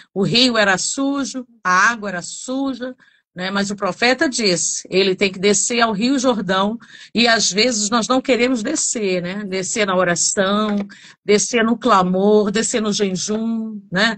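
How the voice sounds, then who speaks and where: Delivered in a normal speaking voice, the speech moves at a fairly slow pace. Its pitch variation is ordinary. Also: woman, fairly high pitch for a woman. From Rio de Janeiro, Brazil. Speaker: gospel singer and pastor. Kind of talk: casual chat.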